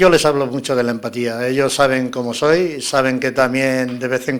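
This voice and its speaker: Pitched at a medium level, a man speaks at a fairly slow pace in a monotone, flat intonation. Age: 60s. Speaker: addiction support volunteer, recovering alcoholic. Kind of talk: radio talk show interview.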